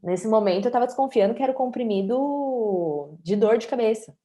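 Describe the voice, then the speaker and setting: Brazilian woman, late 20s, interview guest; warm, mellow voice, candid chatty storytelling. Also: on the high side, lively intonation, a little fast. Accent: Brazilian Portuguese. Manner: candid, conversational, often adds tag questions.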